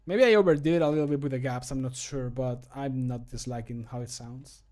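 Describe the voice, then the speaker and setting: A man's voice: medium pitch, fairly quick, dark tone. Chatty young man streaming, laughing often. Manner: chatty, self-mocking, laughs often, swears casually. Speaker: streamer and game modder. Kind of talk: casual livestream chat while recording. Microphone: close home streaming mic.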